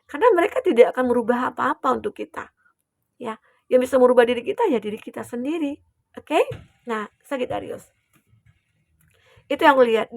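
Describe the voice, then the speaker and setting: Young woman, tarot reader, slightly high voice with vocal fry, reassuring and chatty, dry close sound. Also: no echo. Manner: gentle, reassuring, with many fillers and tag questions. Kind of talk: collective tarot reading.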